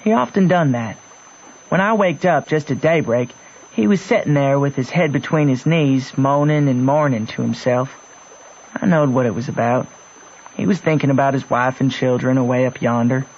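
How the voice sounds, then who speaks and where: A man's voice: mid-range voice, moderate pace, a little mellow, a little hiss or hum, natural voice. An actor playing a wry, plain-spoken country boy who narrates his adventures in folksy dialect for a radio drama. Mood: sympathetic. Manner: folksy ungrammatical drawl, matter-of-fact. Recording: muffled old radio recording.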